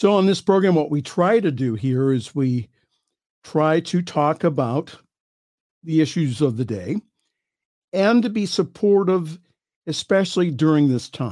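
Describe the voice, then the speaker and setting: In a very clean recording with a silent background, a man uses an ordinary speaking voice, fairly high in pitch, with lively intonation at a fairly slow pace. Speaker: pastor and talk show host. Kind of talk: talk show hosting and interview. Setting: studio livestream. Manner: jovial, laughs often.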